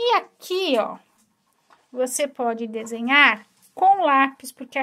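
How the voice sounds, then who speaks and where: Against a quiet background, a woman speaks very slowly in a high pitch with a warm tone. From Brazil. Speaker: primary school art teacher. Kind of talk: craft tutorial for young children. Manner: warm, instructive, addressing children. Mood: gentle, explanatory. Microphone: phone near.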